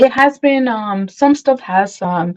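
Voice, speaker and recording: A woman with a Spanish accent speaks at a fairly slow pace. The sound is dry and close, without echo. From Mexico, then US. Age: 30s. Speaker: podcast guest. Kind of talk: casual chat.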